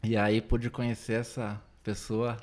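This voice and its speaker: A man's voice: fairly low pitch, little pitch movement, a little slow, a little mellow. A man, co-hosting a podcast and introducing a guest in a friendly, rambling way. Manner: friendly, rambling, lots of fillers. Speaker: podcast co-host. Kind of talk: casual podcast chat.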